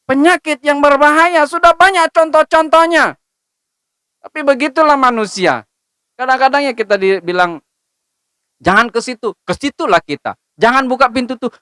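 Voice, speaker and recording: A woman's voice: mid-range voice, fairly bright tone, smooth, dry recording. A young woman preaching a sermon to a youth service, speaking in a direct, admonishing way and drawing on her own experience. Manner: direct, admonishing, personal testimony.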